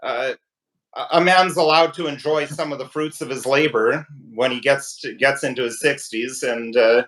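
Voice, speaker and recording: A man hosting a live-stream interview over his phone, talking in an animated, ranting way. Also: mid-range voice, normal speed, rough recording. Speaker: talk show host.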